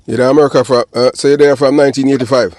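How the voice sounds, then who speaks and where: A man's voice: mid-range voice, steady tone, very fast, a little mellow, no room sound. A man in his fifties with a Jamaican accent hosts a casual talk, speaking in an emphatic, repetitive way and checking that he is understood. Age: 50s. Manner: repetitive, emphatic, asks for confirmation. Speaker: online show host. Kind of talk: casual phone conversation and commentary.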